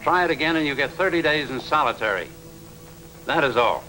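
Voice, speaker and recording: A man's voice: on the high side, animated, a little fast, bright, forceful tone, soft background music, low-quality recording. A middle-aged male actor playing a stern prison warden, formal and authoritative, in a 1950s screen drama. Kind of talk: 1950s black-and-white screen drama acting.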